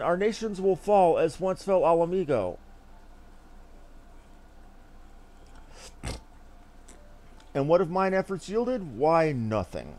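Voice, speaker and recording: Fantasy game diplomat, man playing young earnest nobleman, theatrical formal diction, higher pitch, very animated. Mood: impassioned. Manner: declamatory, archaic formal diction. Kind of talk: theatrical read-aloud of fantasy game dialogue.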